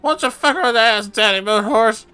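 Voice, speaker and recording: A demon-possessed woman, put on by a man, howls and snarls in a high, strained voice. She is crude and furious, straight out of a comic horror storybook. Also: moderate pace, bright, forceful tone, clean tone. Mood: crude fury.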